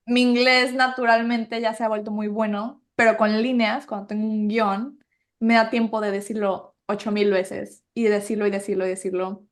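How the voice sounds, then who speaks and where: A woman's voice: fairly high pitch, level tone, normal speed. A young woman, an actress, chatting casually in an interview, rambling and correcting herself as she goes. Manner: rambling, self-correcting with many fillers. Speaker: actress and podcast host, guest.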